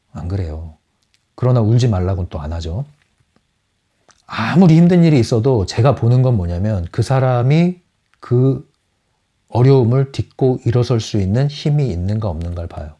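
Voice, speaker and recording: A man's voice: lowish voice, dark tone, slightly rough. A man giving a lecture on a book as a psychology counselor, often asking his audience rhetorical questions. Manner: asks the audience rhetorical questions, acts out quotes.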